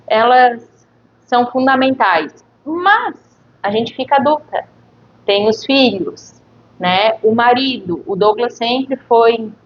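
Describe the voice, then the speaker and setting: A woman from southern Brazil, a nurse, talking about her family in a relaxed interview, pausing often and adding tag questions. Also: medium pitch. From Criciúma, Santa Catarina, Brazil. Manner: reflective, hesitant, frequent tag questions. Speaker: guest, nurse. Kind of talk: casual interview chat. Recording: dull lo-fi audio with faint noise.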